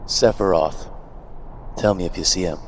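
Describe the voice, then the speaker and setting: Man voicing a deep, brooding young swordsman. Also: steady tone, normal speed, slight background noise, natural voice. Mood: brooding, guarded. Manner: terse, guarded. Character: brooding young male swordsman, haunted and withdrawn. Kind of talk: game fan dub acting. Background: music.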